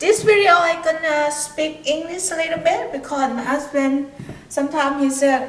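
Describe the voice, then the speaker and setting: With noticeable background noise behind, the speaker talks at a moderate pace in a Thai accent. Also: woman. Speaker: cooking vlogger. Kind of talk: casual cooking vlog. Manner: halting.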